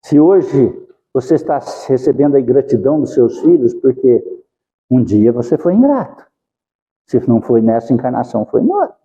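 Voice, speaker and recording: A man's voice: medium pitch, big pitch swings, moderate pace, warm tone. A man giving a religious lecture, preachy and asking the audience questions. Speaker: spiritist lecturer. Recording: dull lo-fi recording.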